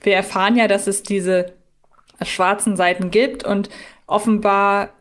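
Mid-pitched woman podcaster, questioning. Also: level tone, a little slow. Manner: questioning, reasoning aloud. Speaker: podcast co-host. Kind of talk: casual analytical discussion.

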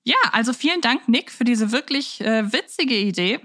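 A woman's voice: a little high, animated, normal speed, sharp tone, dry recording, studio quality. A woman co-hosting a podcast in a casual, reflective conversational way. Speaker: podcast co-host. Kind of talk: casual podcast conversation about audio dramas.

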